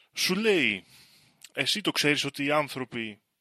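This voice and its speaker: A man's bright, sharp tone at fairly high pitch, with a dry, close sound and no echo. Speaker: podcast co-host. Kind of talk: casual chat.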